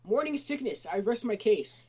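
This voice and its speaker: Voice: medium pitch, animated, normal speed, darkish tone, breathy edge. A young adult bantering casually on a voice call, cutting in with argumentative, exasperated remarks. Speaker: listener heckling a story reading. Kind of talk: casual banter while gaming.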